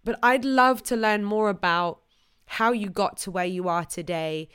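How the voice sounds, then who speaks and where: A young woman hosts a podcast in an upbeat, gushing way, full of praise for her guest. Her voice is smooth and clear at a middle pitch. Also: unhurried, a bit bright. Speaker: podcast host. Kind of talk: casual interview chat.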